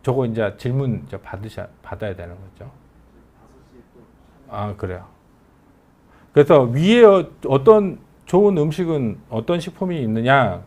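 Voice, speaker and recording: Speaking at a measured pace in a mid-range voice, the middle-aged oncology professor pauses often. His Korean regional dialect colors a lively, conversational medical lecture in which he plays out patients' questions.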